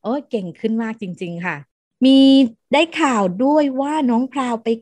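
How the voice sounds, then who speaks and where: A woman's voice: on the high side, animated, moderate pace, a little mellow, no room sound. A woman hosting an interview who asks encouraging questions to a child and her mother. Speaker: host. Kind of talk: interview host.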